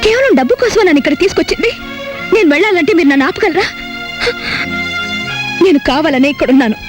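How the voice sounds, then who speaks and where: A woman's voice: very high voice, animated, quick pace. An actress playing a fiery young unmarried woman who scolds sharply, in film dialogue over music. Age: young adult. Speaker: unmarried niece.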